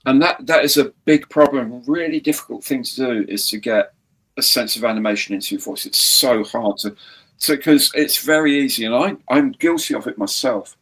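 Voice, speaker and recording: A man in casual live-stream chat with a middle-pitched voice. He rambles cheerfully from point to point and drops in the odd mild swear word. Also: moderate pace, fairly bright tone, slightly rough. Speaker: host.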